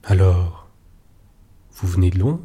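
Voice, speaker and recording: A man's voice: sits low, expressive, slow pace, mellow, slightly rough, heavily acted. A man voicing a puzzled, cautious country husband who keeps asking questions. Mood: questioning.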